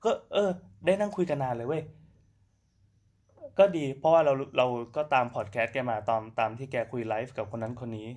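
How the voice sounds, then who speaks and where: A man's voice: medium pitch, lively intonation, a little mellow. A man hosting a casual podcast chat, telling stories loosely with lots of restarts. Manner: fast, loose storytelling with many restarts. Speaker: podcast host.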